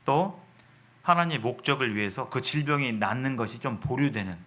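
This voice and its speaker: A man's voice: medium pitch, animated, moderate pace, sharp tone. A man preaching to a congregation in an explanatory way, often repeating phrases and putting rhetorical questions to his listeners. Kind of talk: sermon to a congregation.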